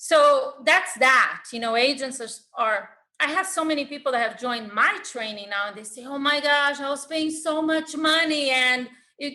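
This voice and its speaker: A woman uses a raised, projected voice with a high pitch and a bright, sharp tone. She keeps a moderate pace, and her loudness swings widely. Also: ordinary pitch variation. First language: not English. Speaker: real estate sales trainer. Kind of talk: podcast interview.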